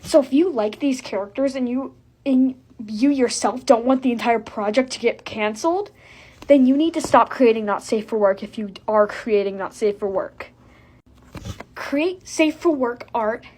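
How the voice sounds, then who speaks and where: A woman's voice: on the high side, unhurried, a little mellow, husky. A woman speaking as a fan, giving an earnest, emphatic and admonishing appeal with repeated instructions. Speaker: fan making an appeal to other fans. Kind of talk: earnest public service plea to camera.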